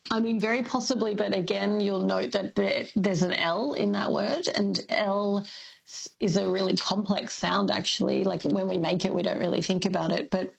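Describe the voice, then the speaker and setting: A woman's voice: medium pitch, fairly even intonation, normal speed, gravelly, breathy edge, low-quality recording. An Australian woman from Melbourne who explains language topics as a radio guest, thoughtful and full of ums. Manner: thoughtful, with many ums and likes.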